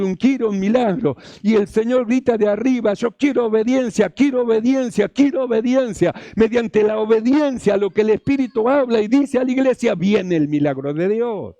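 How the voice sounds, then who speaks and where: A man's voice: high voice, mellow, no echo. A male pastor, preaching a sermon, repeating phrases and asking the congregation rhetorical questions.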